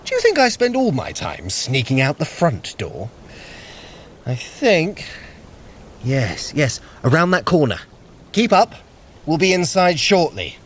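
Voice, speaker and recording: Smug, animated trickster god. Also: male voice, a little high, heavily acted. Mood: haughty. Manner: haughty, quick-witted, theatrical. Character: sly, smug male trickster god guiding a mortal. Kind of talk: audio drama acting.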